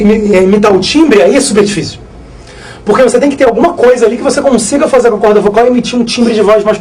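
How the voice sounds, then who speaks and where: A man teaching a live exam-prep physics lesson, energetic, joking and repeating himself. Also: very high-pitched, slight background noise, rough recording.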